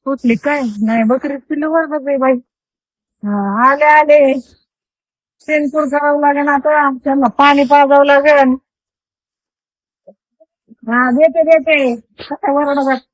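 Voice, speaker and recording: A woman's voice: high voice, no echo, rough recording. A young woman with a rural Marathi accent talking to herself during farm chores, grumbling and scolding the animals. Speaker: farm housewife vlogger. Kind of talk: casual monologue during chores. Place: rural farmyard outdoors with goats.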